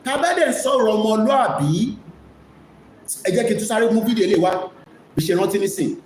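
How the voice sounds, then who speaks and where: High-pitched man, Nigerian Yoruba accent, emphatic repetitive live host, echoey room. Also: expressive, fast. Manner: emphatic, repeats key phrases. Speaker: host of an online media broadcast. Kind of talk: live commentary mixing two languages. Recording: echoey room with faint noise.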